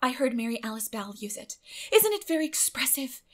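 Storybook orphan girl, high-pitched, dramatic, gushing, flowery, imaginative. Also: very animated, a little fast.

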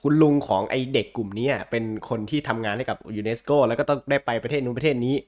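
A male podcast host. His voice sits at a medium pitch. He chats casually and bluntly, throwing in slang and jokes. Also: rapid-fire, darkish tone. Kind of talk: casual chat about comic books.

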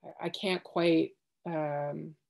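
A woman in her thirties sharing her thoughts on a video call from home, halting and searching for words, with many fillers and restarts. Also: deep voice, steady tone, gravelly, a little mellow. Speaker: workshop participant. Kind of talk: hesitant reflective sharing. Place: home living room.

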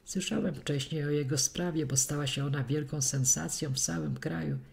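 A woman reading a classic detective story aloud in a measured narration. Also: deep voice, fairly even intonation, gravelly, darkish tone. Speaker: audiobook narrator. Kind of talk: scripted narration of a classic novel.

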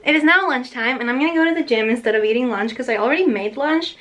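A woman's voice: high voice, fast, fairly bright tone, slight background noise. Chatty teenage girl vlogging. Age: late teens. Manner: chatty, frequent "like", candid about her feelings. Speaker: vlogger, high school senior. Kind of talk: casual vlog chat.

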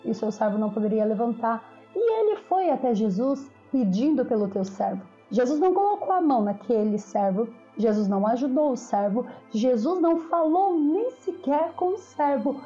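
Slow, deliberate woman preaching. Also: a little high, warm tone. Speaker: Christian preacher. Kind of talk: recorded testimony. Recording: slightly dull audio with faint music.

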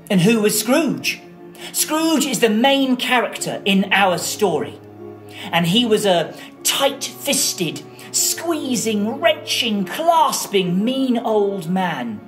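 Female children's storyteller, theatrical, slow and deliberate, highly animated intonation. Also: faint music behind. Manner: dramatic, deliberate phrasing.

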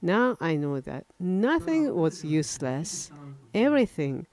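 An older man with a Japanese accent delivers a sermon in English from a wooden lectern in church. He speaks at an unhurried pace. He often stops partway through a phrase and corrects himself. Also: high voice, sing-song, a little mellow. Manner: halting, frequent self-corrections and restarts. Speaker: pastor.

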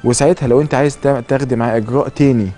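A man's voice: mid-range voice, fairly even intonation, racing, dark tone, soft background music. A man in his thirties with an Egyptian Arabic accent, explaining as an expert guest and dropping in English terms. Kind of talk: explanatory interview talk. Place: TV studio, seated. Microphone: lapel mic.

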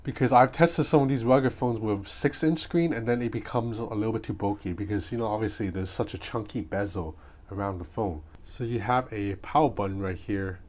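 A man's voice: on the low side, fairly quick, a little mellow. A man giving an informal, off-the-cuff unboxing commentary, thinking aloud as he goes. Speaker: gadget reviewer. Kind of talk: casual unboxing vlog, hands-on commentary. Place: small room at home. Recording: clearly noisy small room with outside noise. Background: ambient street noise from outside.

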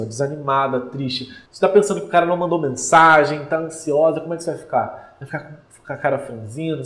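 A man from Brazil, a relationship coach, talking straight to the viewer in an energetic, emphatic way. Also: fairly high pitch, echoey room. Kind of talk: direct-to-camera coaching talk.

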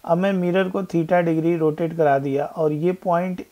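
A male physics tutor talking through an exam question step by step, switching between Hindi and English and slowly rereading the question text. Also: a little high, fairly even intonation, dull audio. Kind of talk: whiteboard exam-problem walkthrough. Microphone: voice-over on a screen recording.

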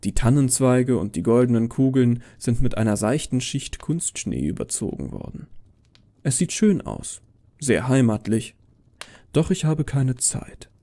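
Mellow, expressive male horror narrator. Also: mid-range voice, a little slow. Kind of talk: dramatic first-person scripted narration.

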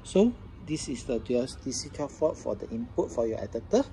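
Mellow-voiced man, halting Southeast Asian demo. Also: medium pitch, sing-song, slight background noise. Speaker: product demonstrator. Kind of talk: unscripted hands-on product demonstration. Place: indoors at a tabletop, faint background noise.

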